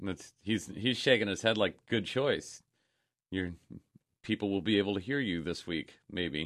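A man talks at a moderate pace in a normal speaking voice. His pitch sits fairly low. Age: 30s. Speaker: radio show host on firearms and self-defense. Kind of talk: casual chat.

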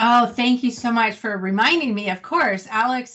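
Fairly even intonation runs through a woman's speech. She has a fairly high voice and a Californian accent. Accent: General American (California). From Northern California, Sonoma County. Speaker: veteran Marine and military journalist. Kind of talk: interview.

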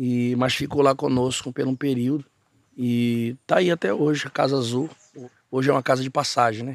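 A man in a normal speaking voice, medium in pitch, talks at a moderate pace with fairly even intonation in a dry, close sound with no echo. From Manaus, Amazonas, Brazil. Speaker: evangelical pastor. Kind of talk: interview.

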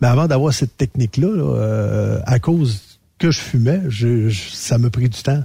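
Using a normal speaking voice, a man talks at a fairly slow pace and medium pitch with lively intonation and very even loudness. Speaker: radio columnist, former trucker. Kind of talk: casual chat.

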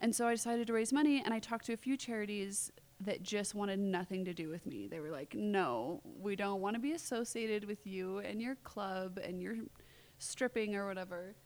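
Talking at a fairly quick pace, a woman with an ordinary speaking voice keeps a medium pitch and ordinary pitch variation. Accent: American. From Atlanta, US South. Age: 30s. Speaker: exotic dancer. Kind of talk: casual interview.

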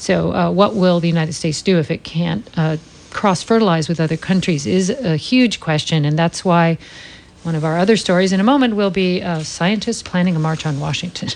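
Background noise is noticeable behind a woman's voice. Her pitch is fairly low, with ordinary variation. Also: fairly quick pace. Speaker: radio host. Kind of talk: radio interview. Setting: studio.

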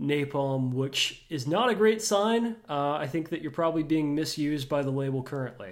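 A man speaks with an American accent at a moderate pace. His pitch sits fairly high. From US Midwest. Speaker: metal podcast host. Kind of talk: casual chat. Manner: hesitant, many fillers.

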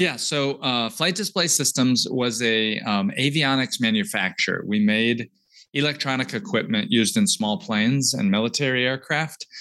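Against a quiet background, a man with an American accent speaks in a bright, sharp tone, his pitch swinging very widely while his loudness stays very even. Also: medium pitch for a man, moderate pace. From US South (Texas and Georgia). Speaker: entrepreneur and author. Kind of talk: podcast interview. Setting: video call. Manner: energetic, animated.

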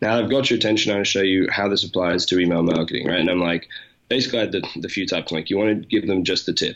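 A man talks at a very fast pace with a fairly low pitch. Noticeable background noise runs underneath. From England and US. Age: 20s. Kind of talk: casual interview chat.

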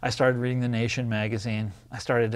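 The recording is very clean, with a silent background. A man speaks with a Midwestern US accent. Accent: US Midwest. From Kansas City suburbs, Kansas. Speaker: journalist and author. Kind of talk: interview.

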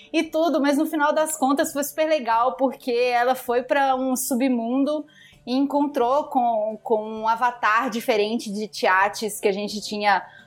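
A woman's fairly high voice at a fairly slow pace, with lively intonation and music in the background. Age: 20s. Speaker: poet and content creator. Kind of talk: casual chat.

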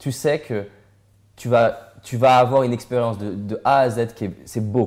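Speaking at a fairly slow pace, a man has an unremarkable speaking voice with medium pitch and fairly even intonation. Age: 30s. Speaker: motivational speaker and entrepreneur. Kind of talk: interview.

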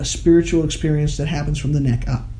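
There is audible room echo as a man with an American accent talks at a fairly high pitch, his tone dark and mellow and somewhat breathy. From Maine, US. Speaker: Unitarian Universalist minister. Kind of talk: interview.

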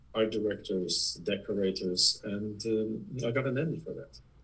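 A man with a Polish accent speaks at a fairly slow pace in a fairly low, somewhat breathy voice. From Poland. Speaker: production designer. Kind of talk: interview. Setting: remote call. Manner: halting.

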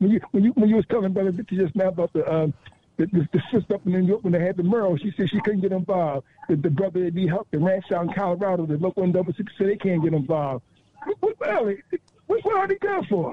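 High pitch and very fast pace from a man, with noticeable background noise. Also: ordinary pitch variation. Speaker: caller. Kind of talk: call-in discussion. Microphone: poor phone connection.

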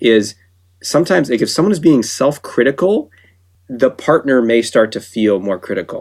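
Lively in intonation, a man talks at medium pitch and a moderate pace in a plain, everyday voice. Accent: American. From United States. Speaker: psychologist and men's coach. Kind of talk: interview conversation.

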